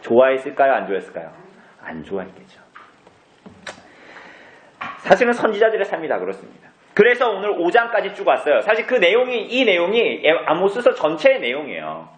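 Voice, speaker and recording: A man's voice: sits high, huge pitch swings, a little fast. A male pastor preaching an evening sermon, asking the congregation questions and answering them himself. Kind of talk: evening service sermon, Bible exposition. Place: church sanctuary. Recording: roomy church echo.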